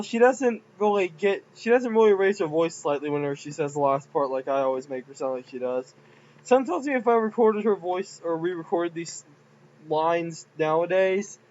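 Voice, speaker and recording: A man's voice: fairly high pitch, expressive, normal speed, a little mellow, lo-fi sound, a little hiss or hum. A man casually commenting on his own game files, rambling and giggly. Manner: rambling, giggly, self-mocking. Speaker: game modder.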